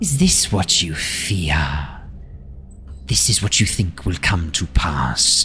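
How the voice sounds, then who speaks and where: A put-on character voice at a very slow pace, over clear background noise. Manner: menacing, accusing.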